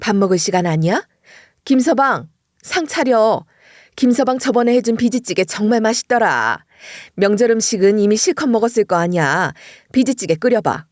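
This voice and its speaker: A woman's voice: mid-range voice, normal speed, no room sound, studio quality, close to an everyday voice. A woman voicing a cheeky, unflappable middle-aged mother who teases with sly composure. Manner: sly, deadpan teasing.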